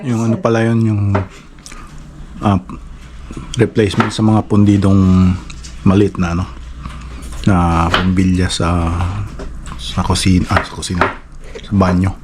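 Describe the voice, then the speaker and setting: A man with a Filipino accent chats casually for a vlog in an informal, halting way, as if thinking aloud. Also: low voice, flat delivery, background noise. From Philippines. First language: Tagalog. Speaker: vlogger, field service technician.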